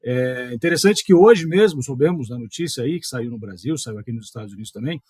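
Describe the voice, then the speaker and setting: A man's voice: mid-range voice, animated, fast, dark tone, slightly rough, dry recording, clean studio sound. A middle-aged man from southern Brazil with a southern Brazilian accent, a professor giving political commentary in a thoughtful, hedging way. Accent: southern Brazilian Portuguese. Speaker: history and politics professor, columnist. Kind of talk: video column commentary.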